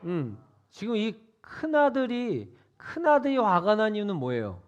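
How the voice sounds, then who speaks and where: A man's voice: sits high, huge pitch swings, normal speed, muffled recording. A man preaching to teenagers as youth pastor in a casual, conversational way, quizzing his listeners and prompting them to repeat after him. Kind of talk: interactive youth sermon. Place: church sanctuary.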